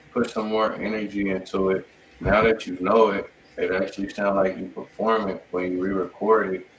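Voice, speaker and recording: An American man hosting a music review, giving casual, slangy, conversational feedback. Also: deep voice. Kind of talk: casual spoken feedback on submitted songs. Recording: roomy, distant mic, faint noise.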